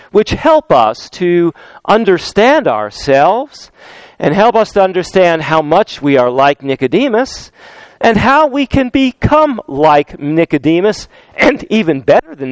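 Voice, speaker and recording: A man with a fairly high, smooth and resonant voice, preaching a sermon. He weaves in stories and scripture and draws out key phrases for emphasis. The sound is close and dry. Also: dry recording, rough recording. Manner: storytelling with anecdotes and scripture, slows down for emphasis. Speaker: pastor.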